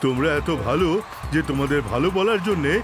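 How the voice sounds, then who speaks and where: A man's voice: on the high side, animated, fast, natural voice. A man voicing a sentimental, effusive cartoon character with a flowery way of talking. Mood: gushing. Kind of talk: cartoon dub acting. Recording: music behind the voice.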